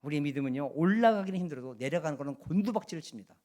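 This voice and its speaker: A man's voice: a little high, animated, very fast, a little mellow. A man preaching a sermon as pastor in a church, asking the congregation rhetorical questions and pressing his points with emphasis. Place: church sanctuary.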